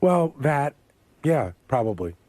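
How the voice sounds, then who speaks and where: A man on a radio show who has lost his voice, talking quickly about being stressed. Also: medium pitch, big pitch swings, a little mellow, dry recording. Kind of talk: casual radio chat.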